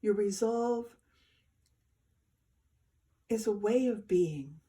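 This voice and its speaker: Slow, mellow woman guiding meditation. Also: mid-range voice. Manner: soft, soothing, unhurried with pauses between short phrases. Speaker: yoga nidra teacher. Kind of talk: guided meditation instruction.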